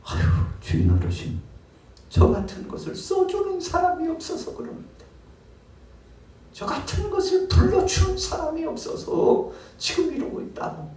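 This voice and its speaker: A man's voice: extremely high pitch, huge pitch swings, moderate pace, a little mellow, slight background noise, pitched above the performer's own voice, full character voice. A man voicing a poor, lame male day laborer who pleads in a whining, self-pitying way. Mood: pleading. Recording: roomy hall, mic far off.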